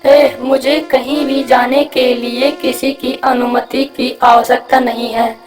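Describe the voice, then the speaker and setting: A woman's voice: high voice, flat delivery, slow pace, echoey room, distant mic, soft background music. A woman voicing a cocky drawling mosquito. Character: cheeky, brash male mosquito. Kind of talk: cartoon voice acting.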